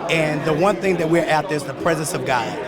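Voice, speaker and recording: Male, 30s, high voice, earnest gospel performer interview, loud crowd behind. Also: brisk. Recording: loud crowd noise outdoors.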